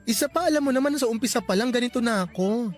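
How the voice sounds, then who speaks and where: A man's voice: extremely high pitch, fast. An actor playing a flamboyant, exasperated gay young father in a radio drama, sassy and theatrical, with music underneath. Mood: exasperated, defensive. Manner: campy, theatrical, bantering.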